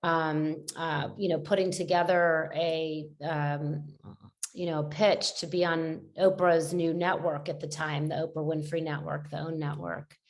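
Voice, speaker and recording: A woman's voice: deep voice, little pitch movement, measured pace. A middle-aged woman talking as a podcast guest, reflective and rambling, with many fillers and restarts. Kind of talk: casual conversational interview.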